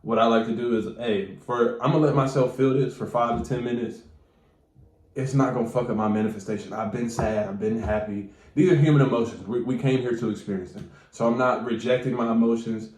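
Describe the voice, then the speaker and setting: A man's voice: medium pitch, fairly quick, a little mellow, reverberant. A man with a stuffy nose giving casual, slangy, profane advice straight to his viewers. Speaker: manifestation coach.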